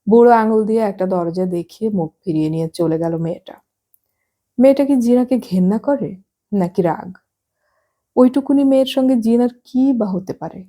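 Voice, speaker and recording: A woman narrating a novel as an audiobook, reading at an unhurried pace and lightly acting out the dialogue. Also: mid-range voice, warm tone.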